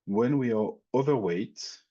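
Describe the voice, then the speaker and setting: A man's voice: mid-range voice, a little slow, mellow, breathy edge, lo-fi sound. A man with a French accent presenting a technical webinar, thinking aloud with frequent fillers and restarts. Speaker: industry expert presenting a webinar.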